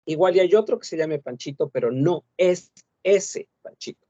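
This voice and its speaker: A man's voice: on the high side, lively intonation, moderate pace, warm tone, no room sound, lo-fi sound. A man teaching an online French class, explaining patiently with rhetorical questions and frequent self-corrections.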